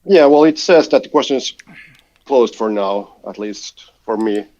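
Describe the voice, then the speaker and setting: A man's voice: medium pitch, a little slow, a little mellow. A man co-hosting a live stream, moderating questions in a casual, practical way over a muffled connection. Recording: dull, lo-fi voice-call microphone.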